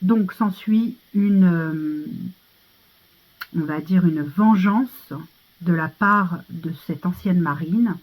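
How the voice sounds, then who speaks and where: French woman vlogger, casual and rambling, slow delivery, phone-quality recording. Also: fairly low pitch. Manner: chatty, many fillers and restarts. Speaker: vlogger reviewing monthly favourites. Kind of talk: casual chat. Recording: tinny phone-like sound.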